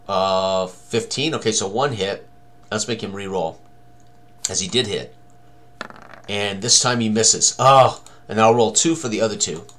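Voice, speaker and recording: A man's voice: lowish voice, a little slow, a bit bright, a little hiss or hum. A man in his sixties giving a casual tabletop game tutorial, thinking aloud as he works through it. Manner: talks to himself, exclaims mildly.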